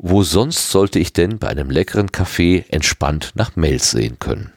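A man reading aloud, voicing a sharp-tongued, scheming teenage schoolgirl with a lightly raised voice. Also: low-pitched, expressive, normal speed, vocal fry, breathy edge, no room sound, studio quality, heavily acted.

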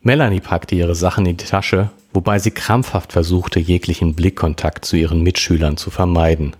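A man's voice: deep voice, normal speed, breathy edge. A man reading a story aloud and voicing all the characters himself. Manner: expressive, acts out all characters. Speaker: audiobook reader.

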